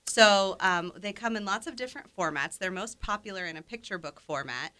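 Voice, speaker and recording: Bright, enthusiastic woman co-host. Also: medium pitch, fairly quick, smooth, no room sound. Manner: enthusiastic, laughs often. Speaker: library podcast co-host. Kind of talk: casual book chat.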